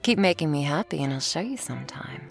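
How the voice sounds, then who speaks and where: A woman's voice: low voice, lively intonation, fairly quick, creaky. A woman performing an ASMR roleplay as a commanding, teasing werewolf hunter who instructs the listener. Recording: faint string music behind.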